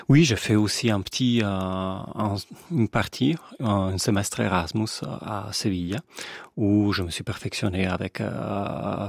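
A man's voice: on the low side, vocal fry, breathy edge, no echo, clean studio sound. A young Italian man with an Italian accent, a guest in a radio interview, speaking French hesitantly with many fillers and restarts. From Italy. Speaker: guest musician.

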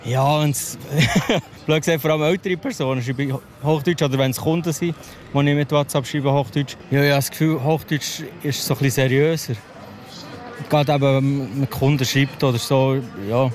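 A man's voice: medium pitch, fairly even intonation, normal speed, a little mellow. A man with a Swiss German accent answering a street interview casually, a little sheepish. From Switzerland. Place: street outdoors.

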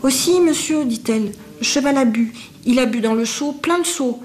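A woman's voice: high voice, moderate pace, soft background music, voice pushed up, natural voice. A woman playing a frightened little girl. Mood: pleading. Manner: timid, pleading. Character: frightened eight-year-old girl.

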